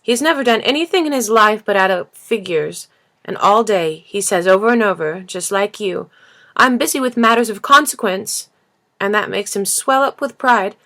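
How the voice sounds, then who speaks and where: A woman's voice: medium pitch, normal speed, sharp tone, voice pushed up. A woman voicing an earnest, passionate little boy prince in a storybook reading, speaking insistently and emphatically. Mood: angry, scornful. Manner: insistent, emphatic, rhetorical questioning. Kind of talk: storybook character voice in audiobook reading.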